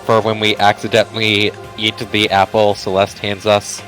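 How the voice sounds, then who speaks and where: A man's voice: lowish voice, monotone, normal speed, low-quality recording. A man doing casual commentary on a group game stream, mixing script reading with wry, dry asides. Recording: game music behind the voice.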